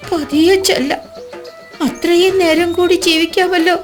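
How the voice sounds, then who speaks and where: A woman's voice: extremely high pitch, steady tone, measured pace, faint music behind, pitched above the performer's own voice. A woman voicing a cocky young pig who turns whiny and panicky in a children's animal cartoon. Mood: frightened.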